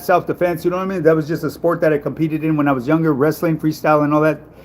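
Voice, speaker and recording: With a Californian accent, a man talks in a relaxed tone at a fairly high pitch. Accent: California. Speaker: streamer answering live chat. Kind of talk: casual slang. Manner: relaxed, conversational, many filler phrases.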